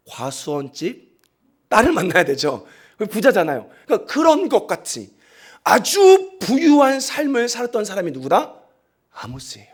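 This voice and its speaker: A man preaching a sermon in a high, very lively voice that swings widely as he tells stories. He acts out the people in them with plenty of drama and turns often to the congregation, asking them to repeat after him. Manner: animated storytelling, acts out quoted voices; talks straight to the congregation, asks them to repeat. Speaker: pastor.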